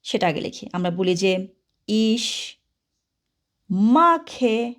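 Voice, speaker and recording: A woman teaching a German grammar lesson in Bengali, patient and steady, often pausing to ask whether the students follow. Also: medium pitch. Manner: patient, asks many checking questions. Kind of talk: classroom-style grammar lesson.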